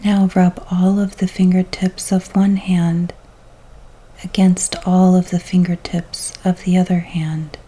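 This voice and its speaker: Noticeable background noise surrounds a woman at medium pitch. Her intonation is monotone and flat, and her pace fairly slow. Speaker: wellbeing guide. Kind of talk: guided grounding meditation. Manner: calm, lowered tone; slow, soft-spoken.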